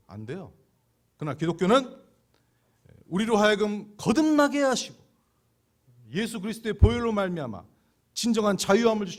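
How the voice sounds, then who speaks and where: A middle-aged pastor preaching with a high, ringing voice. His pitch leaps and drops all over as he moves between forceful exhortation and quiet, confiding stories. The delivery feels heartfelt and sermon-like. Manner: preaches in lively swings from loud exhortation to hushed storytelling.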